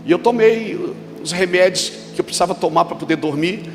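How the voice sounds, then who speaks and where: Pastor guy preaching loud in a big echoey hall, high voice, faint music underneath. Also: fairly quick. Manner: animated, shouting emphatic preaching. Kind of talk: sermon with storytelling. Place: church conference hall. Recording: long reverb of a large hall with music.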